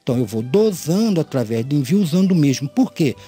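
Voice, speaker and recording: Higher-voiced Brazilian man with a slushy lisp. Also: big pitch swings, quick pace, warm tone, breathy edge, faint music behind. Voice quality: tongue-tied lisp with slushy s sounds. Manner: earnest, repeats and rephrases his points, addresses listeners formally. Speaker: host of an audio mixing tutorial channel. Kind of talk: informal spoken lesson.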